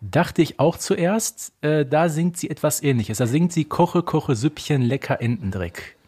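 Man, highish husky voice, very lively intonation, casual podcast banter. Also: unhurried. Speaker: podcast co-host.

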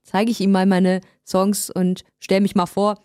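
A woman's voice: mid-range voice, flat delivery, measured pace, darkish tone, clean tone, dry recording, studio quality. A young woman from Germany, a singer, answering interview questions in a friendly way with simple short sentences. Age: young adult. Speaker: singer, guest.

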